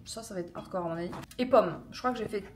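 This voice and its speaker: A woman's voice: medium pitch, quick pace, a little hiss or hum. A young woman vlogging casually through an unboxing, chatty and bubbly, with lots of filler words as she reads out product names. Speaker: lifestyle vlogger.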